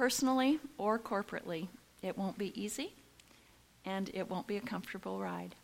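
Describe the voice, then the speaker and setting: A woman at a medium pitch speaks with an American accent and vocal fry. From Michigan, US Midwest. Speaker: missionary. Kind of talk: sermon.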